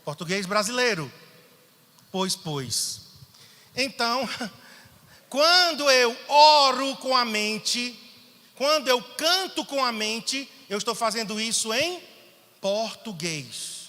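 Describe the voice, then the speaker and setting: A pastor from Brazil preaching a sermon. He is animated, moving from soft, quiet passages to emphatic outbursts, in a church hall. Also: very high voice, slow, long pauses. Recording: long hall reverb.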